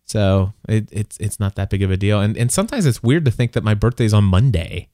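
A man's voice: fairly low pitch, brisk, dark tone, no echo. Casual American man in his forties, dry recording. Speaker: podcast co-host. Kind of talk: casual chat.

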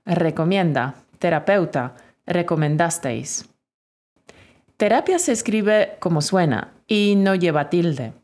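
Slow, lively-voiced woman teacher dictating. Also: deep voice. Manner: clear, deliberate dictation. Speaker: Spanish teacher. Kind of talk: spelling dictation lesson.

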